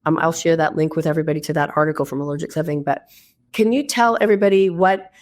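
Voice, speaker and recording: Low-voiced woman host with a stuffy head cold. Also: quick pace. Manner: chatty, enthusiastic, with restarts. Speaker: podcast host. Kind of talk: casual interview chat. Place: hotel room.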